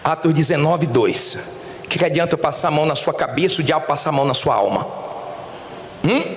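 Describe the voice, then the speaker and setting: Emphatic Brazilian preacher in an echoing church. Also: male voice, fairly high pitch, animated, fast talker, slight background noise. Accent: Brazilian Portuguese. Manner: emphatic, swings between soft asides and rising shouts, questions the congregation. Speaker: bishop preaching. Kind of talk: sermon. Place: large church hall. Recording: echoey church hall, long reverb.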